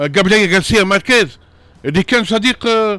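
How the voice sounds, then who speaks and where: Bright and sharp in tone, a man talks at a high pitch and a fairly quick pace in a dry sound with no echo. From Tunisia. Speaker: radio commentator. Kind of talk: casual chat. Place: studio. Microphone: studio mic.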